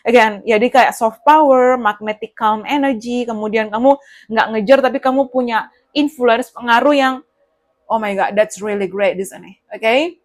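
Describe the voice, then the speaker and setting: A woman's voice: fairly high pitch, moderate pace. A woman giving a casual tarot reading straight to the listener, chatty and rambling. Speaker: tarot reader.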